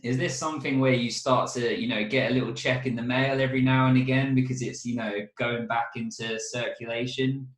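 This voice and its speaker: A man's voice: medium pitch, flat delivery, fairly quick, hardly any pauses. A man hosting a podcast, asking long rambling questions with fillers. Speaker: podcast host. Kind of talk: casual podcast interview. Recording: roomy echo.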